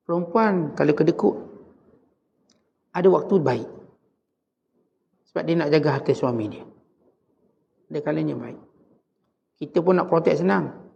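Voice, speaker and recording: A man's voice: a little high, vocal fry, warm tone, in a large hall, dull audio. A man with a Malaysian Malay accent giving a conversational religious lecture, with joking asides. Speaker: religious teacher.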